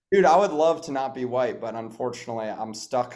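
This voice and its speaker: A man with an American accent, a plain, everyday voice, medium pitch, ordinary pitch variation and a fairly quick pace. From New York City. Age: 20s. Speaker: stand-up comedian. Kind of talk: casual chat.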